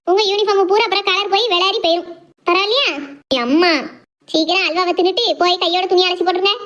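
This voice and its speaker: Casting: woman as feisty Tirunelveli village mother for cartoon drama, piercingly high, rattling off complaints. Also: fairly bright tone. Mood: scolding, exasperated. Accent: Tirunelveli Tamil. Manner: scolding, argumentative, rapid complaints. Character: sharp-tongued, outspoken village wife and mother. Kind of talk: amateur cartoon family drama.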